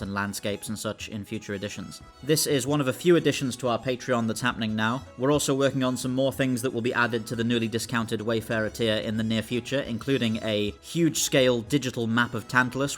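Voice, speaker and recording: A man's voice: mid-range voice, flat delivery, fairly quick, few pauses. A man giving an informal promotional announcement to fans of a show. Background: music.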